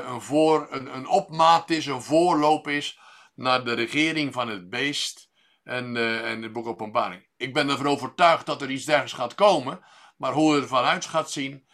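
A man delivers a sermon in a bright, slightly high voice. He speaks in a measured way, pausing often with fillers and restarts, and he lifts his voice to stress key words. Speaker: preacher.

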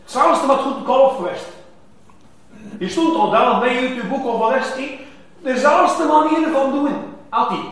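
A man's voice: very high voice, unhurried, fairly bright tone. A man preaching a sermon, emphatic, with rising exclamations. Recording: echoey church hall from far off.

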